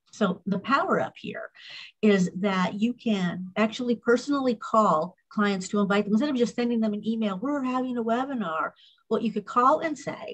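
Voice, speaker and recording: Her voice is somewhat breathy. This woman speaks with a fairly high pitch. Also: lively intonation, moderate pace. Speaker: marketing coach presenter. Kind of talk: webinar presentation. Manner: animated.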